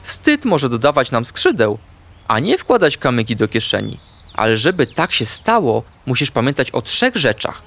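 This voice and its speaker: A man voicing a wise, gentle female owl teacher in a children's storybook reading, talking calmly and patiently. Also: mid-range voice, moderate pace, gravelly, full character voice. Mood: encouraging. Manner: calm, kind, explaining patiently.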